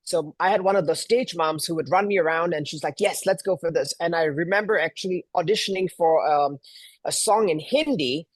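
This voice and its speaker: A man's voice: fairly high pitch, brisk, no room sound. A middle-aged man from Malaysia answering interview questions as a guest, telling personal stories in a conversational way. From Kuala Lumpur, Malaysia. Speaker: guest, event planner.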